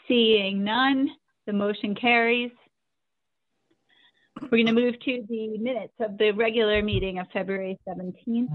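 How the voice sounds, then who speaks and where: A woman chairing a committee meeting in a brisk, procedural way. Her voice sounds muffled, as if through a wall, from a phone lying on a bed. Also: on the high side. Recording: muffled tinny phone line.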